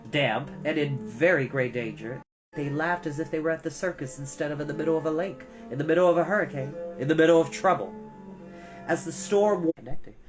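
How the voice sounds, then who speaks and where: Hosting a storytime, a woman with a low voice reads a storybook aloud. She's expressive and leans carefully on key words.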